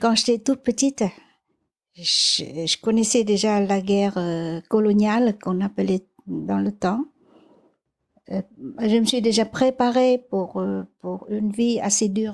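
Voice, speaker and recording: A woman speaks very slowly in a Vietnamese accent. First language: Vietnamese (speaking French). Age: 70s. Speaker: activist. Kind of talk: interview. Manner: halting, many repetitions.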